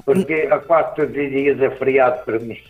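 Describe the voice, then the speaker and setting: A man's voice: mid-range voice, fairly even intonation, normal speed. An older man with a Madeiran Portuguese accent, calling a radio show to chat in a good-humoured, folksy, rambling way. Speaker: radio phone-in caller. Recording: tinny phone line, faint music.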